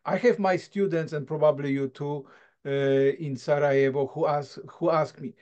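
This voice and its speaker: A man from southern Poland, giving an academic lecture over a video call. He talks in a halting, thoughtful way, with many filler sounds and tag questions. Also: a little high, steady tone, darkish tone. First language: Silesian. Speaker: guest lecturer. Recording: dull lo-fi video call audio.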